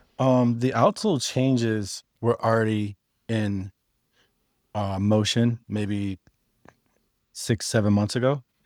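A man speaks at a very slow pace with fairly even intonation and long, frequent pauses. The recording is very clean, with a silent background. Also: medium pitch for a man. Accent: American. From Pittsburgh, Pennsylvania. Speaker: sneaker designer. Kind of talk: casual interview.

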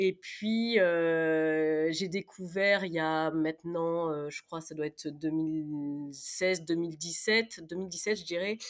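This woman's fairly low voice moves with fairly even intonation on a very clean recording with a silent background. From western France, La Rochelle area. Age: 40s. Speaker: amateur triathlete. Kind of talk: interview. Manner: hesitant, many fillers.

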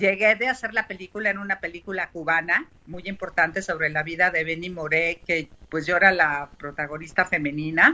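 With a Mexican accent, a woman speaks with hardly any pauses in a bright, sharp tone, a fairly low pitch and ordinary pitch variation. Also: moderate pace. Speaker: actress. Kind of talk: interview. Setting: remote call via WhatsApp.

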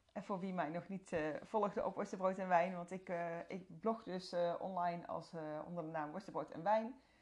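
Here a woman talks at a medium pitch and a moderate pace. Noticeable background noise sits behind her. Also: fairly even intonation. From Noord-Brabant, Netherlands. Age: 30s. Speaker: cookbook podcast host and food blogger. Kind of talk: casual solo podcast monologue. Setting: converted shed used as a small office. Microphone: recorded on phone with earbuds.

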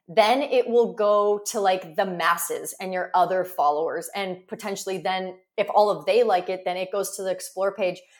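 A normal speaking voice from a woman in a Canadian accent, medium-pitched, moderate in pace, with ordinary pitch variation. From Saskatchewan, Canada. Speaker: entrepreneur and professional motorcyclist. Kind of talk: casual chat.

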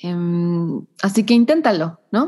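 A woman speaks with a Mexican accent and ordinary pitch variation. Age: 30s. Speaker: podcast host. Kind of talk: casual monologue.

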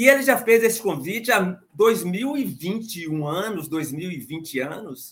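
A high-pitched man speaks at a very slow pace with lively intonation and hardly any pauses. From Bahia, Brazil (interior). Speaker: spiritist speaker, actor and poet. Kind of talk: religious study discussion. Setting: video call livestream.

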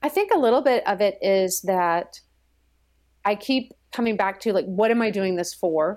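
A plain, everyday voice at a fairly slow pace. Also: woman. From US South, Georgia. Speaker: gardener, podcast guest. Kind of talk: casual chat. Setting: video call.

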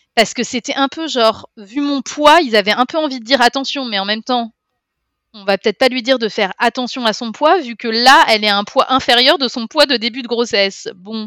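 A woman's high voice moves at a fairly quick pace, bright and sharp in tone, with big swings in loudness. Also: ordinary pitch variation, dry, close sound with no echo. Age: 30s. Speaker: law lecturer and researcher. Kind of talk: casual interview.

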